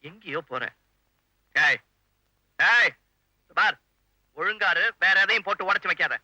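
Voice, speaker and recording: A man's voice: sits high, lively intonation, a little slow, bright, forceful tone, dry recording, full character voice, low-quality recording. An actor playing an irritable young man who keeps scolding a childlike woman in a 1980s film, grumbling in exasperation. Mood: exasperated.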